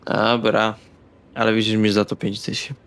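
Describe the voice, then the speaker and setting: A man's voice: on the low side, completely flat delivery, normal speed, a bit bright. A man speaking casual, blunt in-character dialogue as a tabletop roleplay player.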